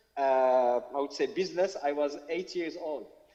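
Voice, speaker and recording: This man has a Moroccan accent and a fairly high pitch. His tone is dark and mellow. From Morocco. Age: 60s. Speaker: scientist and entrepreneur. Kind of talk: panel discussion. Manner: halting, many fillers.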